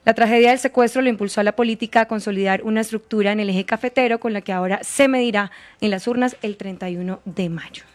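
Female reporter, steady scripted profile read. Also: medium pitch, fast talker, hardly any pauses. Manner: reads steadily, with some fillers. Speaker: news reporter.

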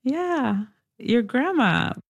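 A woman interviewer who asks gentle, probing questions. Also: on the high side, animated, extremely slow, creaky, dull audio. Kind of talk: personal interview.

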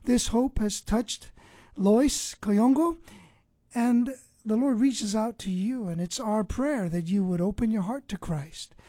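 A man's voice: high voice, warm tone, no echo. A man hosting a Christian radio ministry show, speaking earnestly and preachily, sometimes restarting his words.

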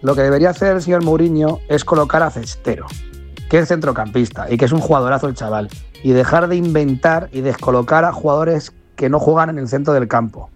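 A man's voice: a little high, brisk, faint music behind. A man calling in to a sports radio show, blunt and mocking. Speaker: caller.

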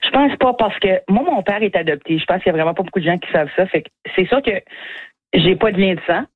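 A chatty Acadian woman speaks over a thin, tinny phone line with no room sound at all. She laughs easily and often stumbles over her words as she answers questions. Her voice sits at an ordinary middle pitch. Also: fast talker, no room sound. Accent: Acadian French. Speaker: comedian guest. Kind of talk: radio phone interview.

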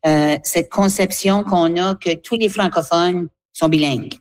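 A woman, a guest speaking earnestly for a seniors' association, pausing often with fillers. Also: lowish voice, steady tone, a little mellow. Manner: earnest, halting, with many fillers. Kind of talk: radio interview, advocacy.

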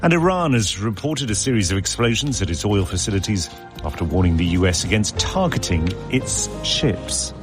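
A man presenting live radio news, reading headlines and introducing reports in a measured, formal way. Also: on the low side, lively intonation, loud music behind the voice. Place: broadcast studio. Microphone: studio microphone.

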